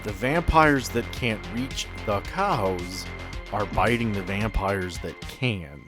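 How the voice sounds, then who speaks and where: A man's voice: on the low side, expressive, takes it slowly, music in the background. A man narrating a tabletop role-playing game as game master.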